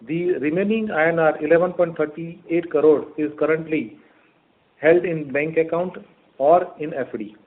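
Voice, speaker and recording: Indian male executive, fairly high voice, formal scripted results read, narrowband phone audio. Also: measured pace. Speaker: company executive presenting results. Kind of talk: scripted earnings report read aloud. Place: on a conference call. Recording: muffled narrowband conference phone line.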